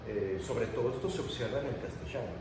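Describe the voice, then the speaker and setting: A man from Mexico talks casually as an interview guest, wandering through his thoughts and dropping in English words now and then. He sounds far from the mic in a strongly echoing room, with clear noise behind him. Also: medium pitch, fast talker. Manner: relaxed, meandering, mixes in English words. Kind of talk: casual conversation. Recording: roomy, distant mic with clear background noise.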